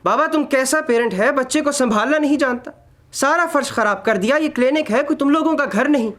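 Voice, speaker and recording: A man's voice: very high voice, brisk, fairly bright tone, pitched above the performer's own voice. A man voicing a brusque, irritable doctor who scolds in broken grammar, in a dramatic story reading. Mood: angry scolding. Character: gruff, irritable male doctor scolding poor young parents.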